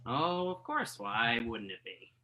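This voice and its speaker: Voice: medium pitch, sing-song, takes it slowly, pushed and bright, heavily acted. An actor playing a skeptical, wry journalist in a play reading, argumentative and questioning. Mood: wry, exasperated. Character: skeptical, wry entertainment journalist debating music. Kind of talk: conversational dramatic play reading. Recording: virtual reading over internet call.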